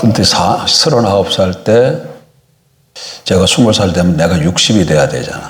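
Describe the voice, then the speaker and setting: Lively intonation marks this man's very deep, low pitch as he speaks at a fairly slow pace with long, frequent pauses. Music plays in the background, and there is audible room echo. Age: 60s. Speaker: pastor. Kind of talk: sermon.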